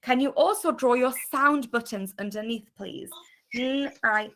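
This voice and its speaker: A British woman leads an online phonics class for young children. Her voice is bright and sits a little high, and she sounds out each letter clearly while praising often. It comes through a video call. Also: unhurried, slight background noise. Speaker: primary school teacher.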